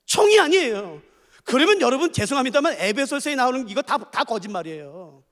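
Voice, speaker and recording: Male preacher, animated delivery, emphatic repeats, echoing hall. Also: very high-pitched, fairly quick. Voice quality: emphatic, repeats key phrases. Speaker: pastor. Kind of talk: sermon.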